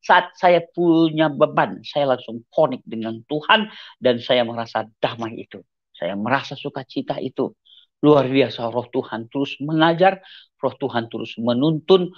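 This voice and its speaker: A middle-aged man from Aceh, Indonesia, with a mixed Acehnese accent, giving an earnest personal testimony as an evangelist. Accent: Acehnese with mixed Medan, Timor and Malaysian traces. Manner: earnest, repetitive, sudden rises in pitch for emphasis. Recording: slightly dull lo-fi audio.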